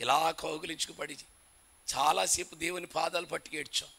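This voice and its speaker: High, gravelly preacher man. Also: steady tone, brisk, pushed and bright. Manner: dramatic storytelling preaching. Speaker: pastor. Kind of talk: sermon.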